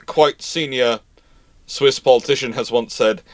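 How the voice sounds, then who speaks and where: A man talks through viewer questions on a live stream in a loose, conversational way. He is animated and emphatic and laughs easily, and his voice sits dry and close to the mic with little room sound. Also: mid-range voice, a little slow, no echo. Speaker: host of a live history Q&A. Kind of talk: casual live-stream chat.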